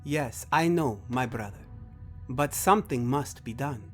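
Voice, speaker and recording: A man's voice: mid-range voice, animated, soft background music, lightly acted. Man playing an earnest, lofty alien nobleman. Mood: earnest, resolute. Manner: formal, deliberate, lofty. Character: ancient alien nobleman, earnest idealist pleading for coexistence. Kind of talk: scripted sci-fi audio drama.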